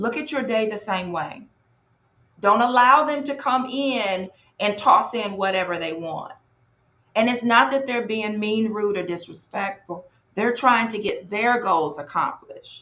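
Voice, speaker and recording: Loud and bright with a sharp tone, a woman speaks at a fairly slow pace, her fairly high pitch carried by lively intonation. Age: 40s. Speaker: business coach. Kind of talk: workshop talk. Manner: animated.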